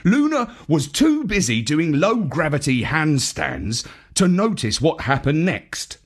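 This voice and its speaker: A man reading a children's story in an expressive, deliberate, theatrical narrating style. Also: a little high. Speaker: story reader.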